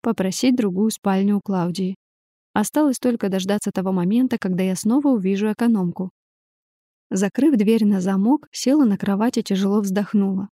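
Audiobook narrator, woman, steady and expressive; mellow tone, dry close recording. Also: medium pitch, normal speed, no room sound. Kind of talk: first-person audiobook narration.

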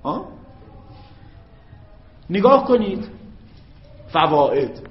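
Guy teaching a grammar class, kinda high voice, stretches out the example phrases, echoey dull recording. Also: sing-song. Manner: drawn-out chanting of Arabic examples; checks understanding with quick questions to students. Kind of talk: classroom lecture.

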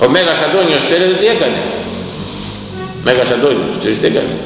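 A man delivering a sermon, slow and emphatic, asking his listeners pointed rhetorical questions. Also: fairly high pitch, animated, over music. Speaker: preacher. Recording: roomy hall with long reverb, faint ambience.

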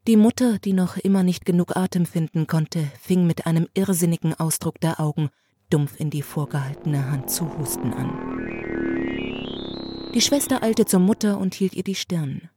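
A woman narrating a classic story as an audiobook, in a measured, steady storytelling manner. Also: lowish voice, husky, faint music behind.

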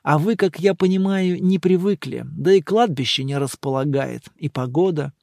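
A man voicing an easygoing, sociable man who talks in an unhurried, coaxing way. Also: a little high, vocal fry, a little mellow, no room sound, studio quality. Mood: soothing.

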